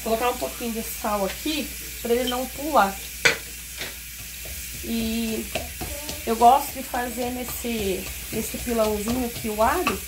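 A woman's voice: a little high, unhurried, heavy background noise. A woman with a Brazilian Portuguese accent from Paraná, chatting casually through her cooking in a home kitchen and often checking in with her viewers. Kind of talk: casual step-by-step cooking narration. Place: home kitchen with wood stove. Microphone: phone camera. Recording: food sizzling in the background.

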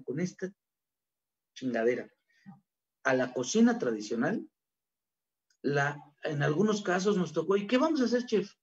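A man's voice: medium pitch, darkish tone. A man with a Mexican accent giving an informal, colloquial conference talk on gastronomy research, acting out quoted voices as he goes. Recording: dull lo-fi recording.

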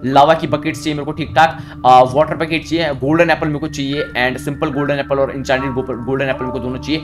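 A young man giving excitable Minecraft gameplay commentary, with frequent sudden jumps in pitch. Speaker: gaming YouTuber. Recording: music bed behind the voice.

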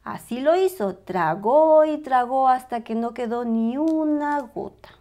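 A woman reading a picture book aloud as a storyteller, with expressive, dramatized narration for small children. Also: high-pitched, a little slow.

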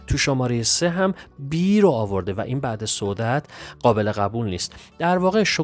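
Methodical Persian-speaking male English teacher. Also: mid-range voice. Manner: methodical, reads English examples slowly and clearly. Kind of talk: exam answer walkthrough.

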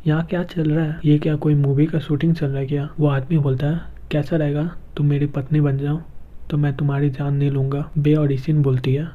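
A man narrating a manga comic story, reading every character's lines in the same steady narrating voice. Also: on the high side, phone-quality sound. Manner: reads every role in one steady narrating voice. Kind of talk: scripted narration.

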